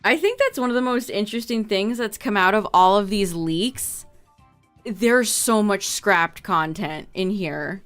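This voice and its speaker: A woman's voice: mid-range voice, expressive, a little slow, fairly bright tone, clean tone, faint music behind. A young woman streamer who is losing her voice, chatting casually with her viewers and reading notes aloud with asides. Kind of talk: casual livestream chat to viewers.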